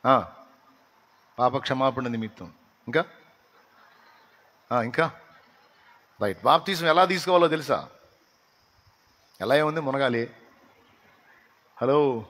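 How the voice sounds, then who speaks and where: A male pastor preaches a sermon and moves between soft asides and loud, emphatic lists. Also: medium pitch, in a large hall. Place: church prayer hall.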